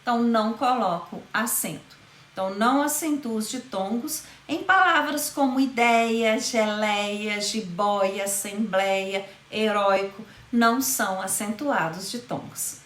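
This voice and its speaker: A woman's voice: medium pitch, a little slow, a bit bright, echoey room. A woman teaching a grammar lesson, spelling out rules and stretching the key words as she says them.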